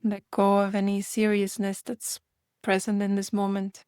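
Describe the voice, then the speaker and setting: A woman leading a guided meditation in a gentle manner, speaking in unhurried invitations with long pauses. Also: medium pitch, monotone, clear, resonant tone, no room sound, studio quality.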